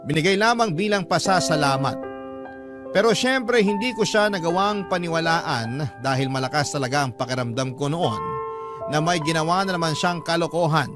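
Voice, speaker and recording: A man's voice: fairly high pitch, moderate pace. A man narrating a radio drama letter in an earnest, emphatic storytelling manner. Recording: steady background music.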